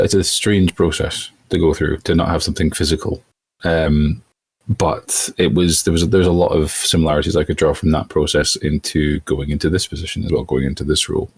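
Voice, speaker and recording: A voice actor from Europe in a casual interview, talking thoughtfully with many restarts. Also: male voice, very deep voice, breathy edge, no room sound. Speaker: voice actor guest.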